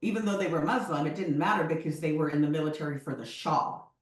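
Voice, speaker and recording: A woman's fairly low voice in audible room echo. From Southern California, Iranian-American family. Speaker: podcast guest. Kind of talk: casual chat.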